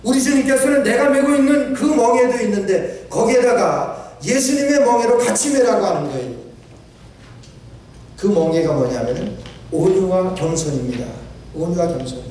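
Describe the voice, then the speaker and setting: A man's voice: high voice, animated, moderate pace, darkish tone. A male pastor preaching a sermon, repeating phrases for emphasis and quoting scripture. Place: church sanctuary. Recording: echoey church hall from a distant mic.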